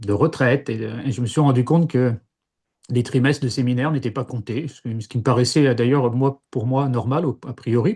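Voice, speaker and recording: A man's voice: mid-range voice, a little mellow. A man in his sixties from Paris, recounting his past in an interview, hesitant with many fillers and restarts. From Paris, France. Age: 60s. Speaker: interviewee, former seminarian. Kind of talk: casual interview testimony.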